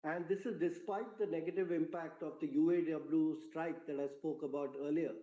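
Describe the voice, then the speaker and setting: A company executive with a fairly high, mellow male voice gives a prepared corporate presentation in a spacious, echoing room. His tone is relaxed and soft-edged, and he speaks in a measured, formal way, much like someone briefing investors on a conference call.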